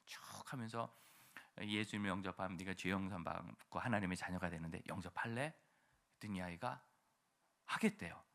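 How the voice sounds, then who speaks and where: A man's voice: low voice, brisk, vocal fry. A male pastor preaching a sermon in a church, telling a story and acting out the voices of the people in it. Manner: animated storytelling, acts out quoted voices.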